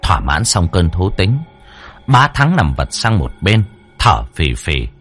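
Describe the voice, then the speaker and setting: A male storyteller with a lowish voice that swoops widely through each sentence. He narrates the tale dramatically, with soft music running underneath. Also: a little slow. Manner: expressive, rising and falling delivery. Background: faint background music.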